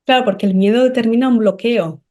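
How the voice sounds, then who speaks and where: A woman's voice: fairly high pitch, quick pace, mellow. Earnest woman explaining spiritual ideas. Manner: earnest, explanatory, often checks with "¿no?" and "¿sí?". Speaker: medium and psychic guest. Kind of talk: conversational podcast interview.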